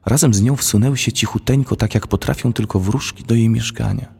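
A man narrating a children's storybook in a measured, expressive reading. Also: medium pitch, creaky, husky. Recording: long hall reverb.

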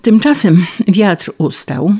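A woman reading a fable aloud in a calm, measured way. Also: medium pitch, breathy edge. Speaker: storyteller.

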